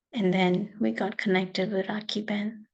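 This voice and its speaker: Somewhat breathy, a woman speaks at a very slow pace in a monotone, flat intonation. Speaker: spiritual speaker. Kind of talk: spiritual talk.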